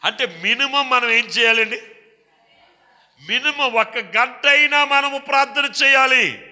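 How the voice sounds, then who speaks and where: High, bright-voiced preaching man in echoing hall. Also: unhurried. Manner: exhorting the congregation with call-and-response questions; repetitive, emphatic preaching. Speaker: pastor. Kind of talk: sermon. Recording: long hall reverb.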